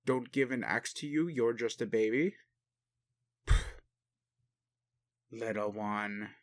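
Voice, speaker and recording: A man playing a bemused, gentle and naive male alien caregiver in an intimate roleplay audio, speaking hesitantly and haltingly. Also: mid-range voice, no room sound, lightly acted. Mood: reluctant, resigned. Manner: hesitant, puzzled, halting, sighing. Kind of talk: intimate one-sided roleplay audio acting.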